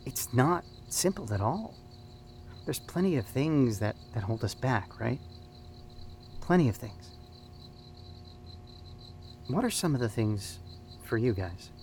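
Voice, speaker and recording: An actor playing an earnest, thoughtful youth ministry leader, talking informally in a halting, searching way. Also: male voice, medium pitch, big pitch swings, darkish tone, a little hiss or hum. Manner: hesitant, searching, repeats words. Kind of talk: informal devotional discussion in an audio drama.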